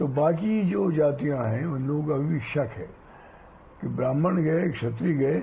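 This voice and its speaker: A man's lively intonation, with audible room echo. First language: Telugu (speaking Hindi). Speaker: senior journalist. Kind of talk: interview.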